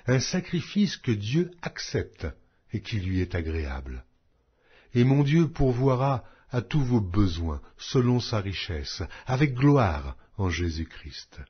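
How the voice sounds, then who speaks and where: A man narrates scripture in a solemn, declamatory style. His voice is husky and moves widely up and down in pitch as he phrases each line slowly and deliberately. The recording sounds slightly dull. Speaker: Bible narrator. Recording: dull, muffled lo-fi audio.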